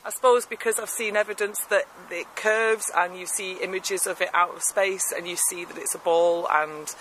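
Woman, 40s, candid street interviewee, bright tone, outdoor handheld mic. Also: fairly low pitch, steady tone, moderate pace, slight background noise, rough recording. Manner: candid, laughing, defensive. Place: outdoors on a riverside footbridge. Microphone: handheld mic held by interviewer.

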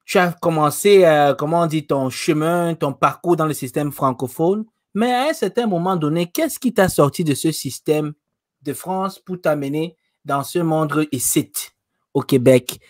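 A man's voice: a little high, unhurried, a little mellow, no room sound, clean studio sound. A man in his thirties hosting a casual video call interview, eagerly chiming in to finish his guest's points. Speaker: host. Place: small room indoors. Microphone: webcam on a video call.

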